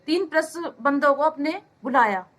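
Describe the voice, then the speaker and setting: A woman's voice: sits high, lively intonation, normal speed, fairly bright tone. A woman giving an urgent, pleading account to a reporter, often addressing him as sir. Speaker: interviewee recounting an assault. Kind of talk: emotional testimony to a reporter.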